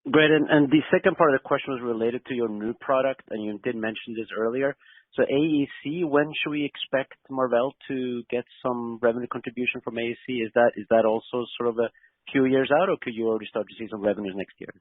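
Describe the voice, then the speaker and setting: A man's voice: medium pitch, fairly even intonation, fast, no echo. A man, a financial analyst, politely and somewhat hesitantly putting questions on an earnings call. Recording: dry, narrow phone line.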